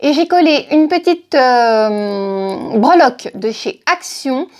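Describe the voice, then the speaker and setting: A woman's voice: sits high, expressive, slow. A middle-aged woman from France hosting a casual shopping haul vlog, chatty and hesitant, with many fillers. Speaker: haul vlogger.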